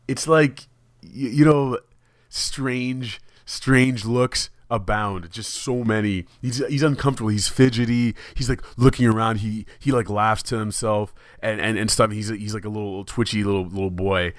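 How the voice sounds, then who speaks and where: A man's voice: lowish voice, fairly even intonation, normal speed, no echo, studio quality. A man co-hosting a podcast who argues back in a casual, profane way and calls his partner "dude". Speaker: podcast co-host.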